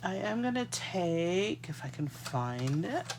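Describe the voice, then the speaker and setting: A woman's voice: lowish voice, very animated, slow, noisy background. Congested woman demoing a craft live. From Canada. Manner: chatty, talks to viewers while working. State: congested, getting a cold. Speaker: card-making demonstrator. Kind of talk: casual live craft tutorial. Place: craft desk indoors. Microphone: overhead camera on desk, hands only.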